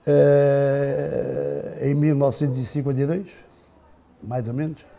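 An older man with a gravelly, rough-edged voice and a very dark, mellow tone. He reminisces slowly and haltingly, often stopping and restarting his sentences. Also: medium pitch, level tone. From Portugal. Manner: unhurried, halting, with many restarts and fillers. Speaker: guest. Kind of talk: casual reminiscing.

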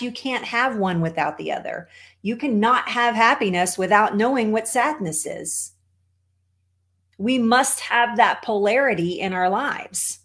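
A middle-aged American woman from Texas gives a motivational talk at her desk. Her voice sits at a medium pitch, and she speaks in an emphatic way, repeating phrases for weight, like a coach addressing followers online. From Texas, United States. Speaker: holistic cancer coach, show host. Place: small home office, indoors.

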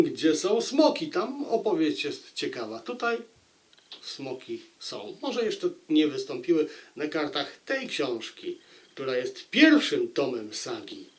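A man giving a book review to viewers, phrasing deliberately like a storyteller, with pauses. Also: a little high. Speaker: book reviewer and audiobook narrator.

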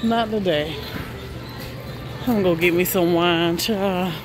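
A woman films herself shopping in a large warehouse store, narrating casually for viewers and marveling at prices. Her voice is on the low side and she speaks slowly, with music playing and store noise around her.

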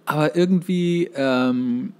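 A man's voice: a little high, slow, darkish tone, clear, resonant tone. A man, chatting casually as the co-host of a podcast. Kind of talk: casual chat between friends.

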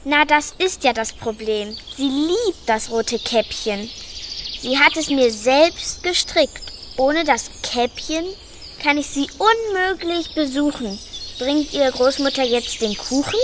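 A woman's voice: high-pitched, expressive, slow, background noise. A woman playing Little Red Riding Hood as a chatty, eager young girl in a children's radio play.

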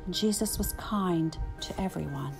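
A woman's voice: on the low side, normal speed, gravelly, over music. An older woman narrating a children's picture book as a story time reader.

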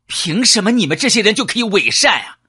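A man's voice: high-pitched, sing-song, fast talker, slightly rough, pitched above the performer's own voice, heavily acted. A man reading an audiobook, voicing a bitter young male villain who mocks and then rages. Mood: raging. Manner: mocking, then shouting in fury.

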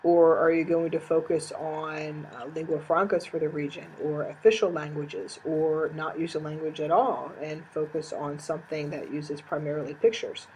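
A woman with a fairly low voice, lecturing her class. She explains things step by step, filling her pauses with small hesitations. A faint hiss sits under the recording. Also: steady tone, darkish tone, poor audio. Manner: explanatory, with frequent fillers. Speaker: teacher.

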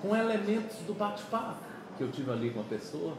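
A man in his fifties from Pernambuco, Brazil, telling stories in a chatty, animated way during an interview, often checking that his listener follows along. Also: high voice, fairly quick, very echoey, background noise. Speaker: musician guest. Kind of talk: casual interview. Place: small office meeting room. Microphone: camera across the table.

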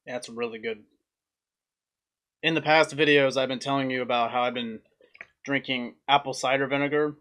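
A young adult man giving a casual food review to camera, speaking plainly in short, halting phrases. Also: medium pitch, steady tone, fairly bright tone. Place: small room indoors at home.

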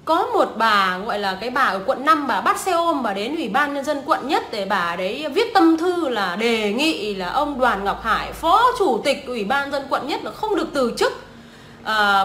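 Scornful, foul-mouthed young woman, bright voice. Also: fairly high pitch, a little hiss or hum. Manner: crude, scornful, swearing often. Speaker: vlogger. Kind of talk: profane ranting commentary. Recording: echoey room.

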